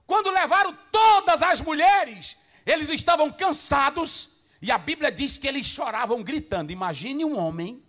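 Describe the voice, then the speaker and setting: A man preaching in a high, bright voice. His delivery is highly animated, leaping from shouted lines to quiet asides. He keeps asking the congregation rhetorical questions. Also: normal speed. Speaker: pastor. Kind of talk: Pentecostal-style preaching to pastors.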